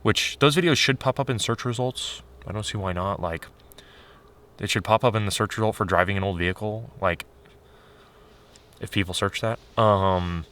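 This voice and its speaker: A man talking in a casual, unscripted vlog style, candid and rambling as he thinks aloud, his voice getting a little hoarse. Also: lowish voice, moderate pace, a bit bright. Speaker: video creator.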